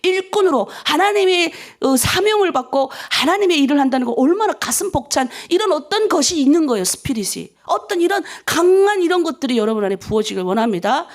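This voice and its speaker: A woman's voice: sits high, sing-song, fairly quick, few pauses. A middle-aged woman pastor giving a dawn prayer sermon, telling stories with feeling and acting out prayers to God. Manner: emotional storytelling, acts out prayers to God.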